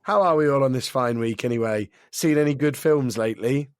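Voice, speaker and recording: A man hosts a podcast with a slightly croaky voice. His delivery is dry and self-deprecating, at a middling pitch, and the recording is close and dead with no room sound. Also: fairly quick, dry recording. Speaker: podcast host. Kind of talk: casual podcast chat.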